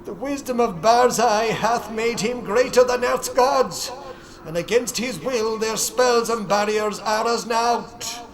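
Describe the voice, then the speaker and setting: A man's voice: exaggerated voice, low-quality recording. A man voicing an old prophet in a horror audiobook, wildly exultant and boastful, proclaiming shrilly. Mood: ecstatic, boastful. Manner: shrill, wild, slow proclaiming shouts. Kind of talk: dramatic audiobook character voice.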